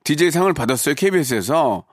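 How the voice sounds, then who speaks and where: A playful male radio host speaks into a studio microphone. He teases and coaches his callers, and his fairly high voice swings widely in pitch. The sound is close and dry, with no room around it. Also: expressive, very fast, dry recording. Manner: playful, teasing, coaching with loud bursts. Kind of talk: radio call-in show hosting.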